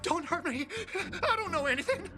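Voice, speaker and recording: Jittery, high-voiced black-market dealer. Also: male voice, animated. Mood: panicky pleading. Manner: nervous, defensive, fast-denying. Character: jittery, evasive male black-market reseller, easily scared. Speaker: fence. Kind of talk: video game voice acting. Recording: music behind the voice.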